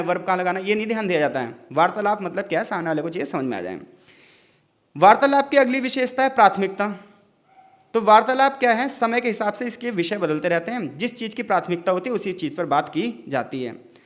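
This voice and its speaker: A man tutoring for an exam in a conversational lecture, asking rhetorical questions and acting out example sentences in different tones. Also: sits high. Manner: conversational, addresses listeners as bhai, uses rhetorical questions. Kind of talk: Hindi exam-prep lecture.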